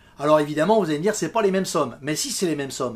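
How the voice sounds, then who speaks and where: Ordinary pitch variation from a man, captured in a very clean recording against a silent background. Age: 60s. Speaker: business coach YouTuber. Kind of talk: vlog monologue.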